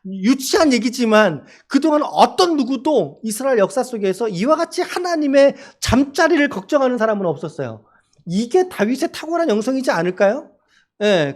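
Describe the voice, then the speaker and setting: A male pastor delivers a Sunday sermon with a lively, animated voice that rises and falls freely. He speaks to the congregation conversationally, pausing to ask them questions. He slips into acted-out dialogue as he tells the story. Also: sits high. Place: church service.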